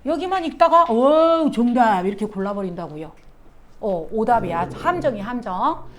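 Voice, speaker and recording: A woman English teacher giving an exam lecture, quizzing her students with quick rhetorical questions. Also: medium pitch, big pitch swings, a bit bright, slight background noise.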